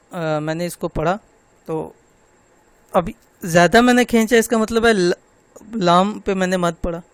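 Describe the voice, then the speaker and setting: A man's voice: high-pitched, smooth, no room sound. A man teaching a tajweed lesson to women, explaining patiently step by step and drawing out the letters as he recites them.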